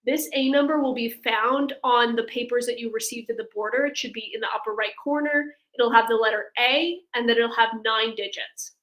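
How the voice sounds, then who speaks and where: Female legal expert, higher voice, conversational, walks listeners through procedures step by step. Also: fairly quick, hardly any pauses, a bit bright, rough recording. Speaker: immigration attorney, guest expert. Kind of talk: explaining legal steps in a webinar Q&A.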